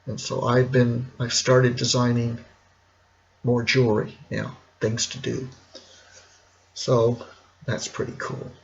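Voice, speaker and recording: A middle-aged man with a gravelly, hoarse, cracking voice, talking casually and reflectively in a rambling personal vlog. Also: medium pitch, flat delivery, dull audio. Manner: rambling, reflective, slow with pauses. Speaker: vlogger.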